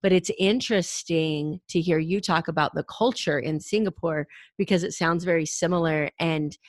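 A woman's voice: fairly low pitch, moderate pace, dry recording, studio quality. A woman hosting a podcast interview, chatting in an upbeat, friendly way. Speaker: podcast host. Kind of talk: casual interview.

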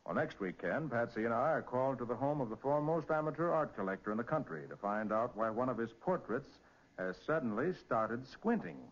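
An actor with an American accent playing a confident master detective in 1940s radio drama, explaining things in an assured, crisp manner. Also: male voice, mid-range voice, animated, brisk, lightly acted. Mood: assured, explanatory. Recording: muffled vintage 1940s radio recording with music.

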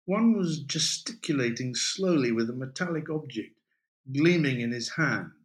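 A man, a writer, reading his own short story aloud in a measured, expressive way. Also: mid-range voice. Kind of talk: literary reading.

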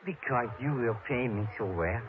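An actor playing a greedy, ingratiating French informant with a French accent, in a 1950s radio drama. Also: male voice, medium pitch, lively intonation, normal speed, lightly acted. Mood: wheedling. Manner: wheedling, ingratiating. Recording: noisy lo-fi old radio recording.

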